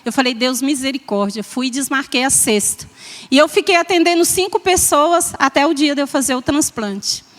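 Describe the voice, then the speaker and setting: High-voiced older woman giving church testimony. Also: normal speed, a bit bright. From Brazil. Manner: emotional, storytelling with quoted dialogue and frequent "né?". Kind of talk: personal testimony in a church service. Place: church hall. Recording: long hall reverb.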